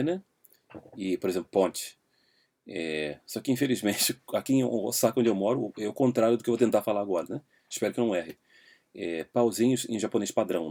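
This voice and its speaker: Brazilian guy w/ brazilian portuguese accent explaining stuff, low mellow voice, lots of "né?" and restarts. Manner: hesitant, full of "né?" and "é" fillers, frequent restarts. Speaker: language teacher. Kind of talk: casual explainer video.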